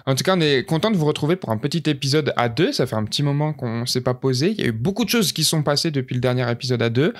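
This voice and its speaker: French guy hosting a podcast, joking around deadpan, lots of euhs. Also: mid-range voice, fast talker, hardly any pauses. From France. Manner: playful, deadpan joking, many hesitations. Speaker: podcast host. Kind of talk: casual chat.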